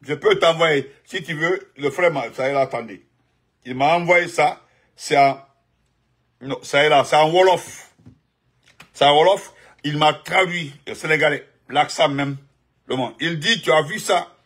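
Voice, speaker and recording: Husky, forceful man ranting live. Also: a little high, measured pace. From Guinea. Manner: emphatic, repetitive, jumps between topics and greetings. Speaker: live-stream political commentator. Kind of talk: rambling live commentary greeting viewers.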